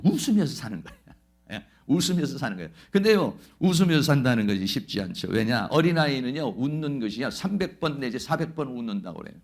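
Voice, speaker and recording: Lively, fervent male pastor preaching. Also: medium pitch. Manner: fervent, proclaiming declarations, asks and answers his own questions. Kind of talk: sermon. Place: church Sunday service.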